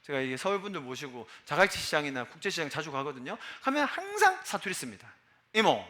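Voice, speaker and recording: This Busan-born pastor in his forties, speaking Busan Gyeongsang dialect, preaches conversationally in a church sanctuary and puts questions to the congregation. He talks fast with big pitch swings, in a slightly high, bright, forceful voice.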